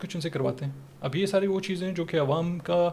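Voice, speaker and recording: Ordinary pitch variation in a high-pitched male voice. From Pakistan, Quetta. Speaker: podcast guest, commentator. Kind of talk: casual chat.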